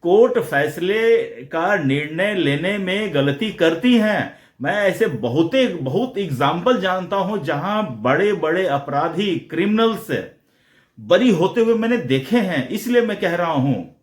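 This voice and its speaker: A man's voice: high voice, expressive, a little slow, echoey room. A man giving blunt, combative political commentary straight to his viewers, slipping English phrases into his Hindi. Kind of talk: opinionated solo commentary to viewers.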